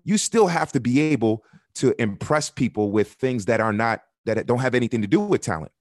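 A Miami soccer broadcaster speaks as a guest in a podcast interview, his mid-range voice animated and fairly quick with no room sound. He comes across candid and earnest, driving his points home through repetition.

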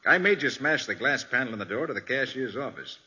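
A quick-witted male sleuth, self-assured, with lively intonation. His husky voice sits on a dull vintage recording. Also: mid-range voice, full character voice. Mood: triumphant. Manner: assured, explanatory. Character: confident, quick-witted male private detective hero. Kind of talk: 1940s radio acting. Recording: dull old radio recording.

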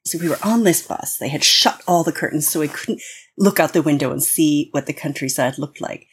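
Low husky American woman. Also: brisk. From United States. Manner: earnest and explanatory, with frequent restarts. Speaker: guest expert. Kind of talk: podcast interview.

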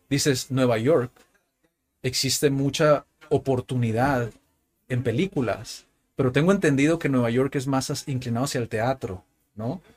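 A man's voice: mid-range voice, darkish tone. A man hosting a casual interview who asks reflective questions and often answers with short affirmations. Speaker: interviewer host.

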